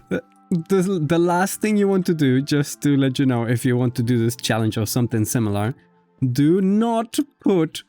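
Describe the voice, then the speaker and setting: A man whose first language is Spanish, speaking English in an unscripted casual gaming vlog with a self-conscious, halting manner. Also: medium pitch, darkish tone. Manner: self-conscious, halting, often giggling at own slips. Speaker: video creator. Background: background music.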